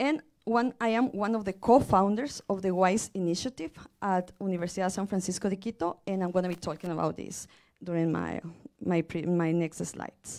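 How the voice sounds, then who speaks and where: Against a quiet background, a woman with a Spanish accent speaks with ordinary pitch variation. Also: moderate pace. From Ecuador. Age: 40s. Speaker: environmental engineering professor. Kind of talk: conference presentation. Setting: stage with audience. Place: hall.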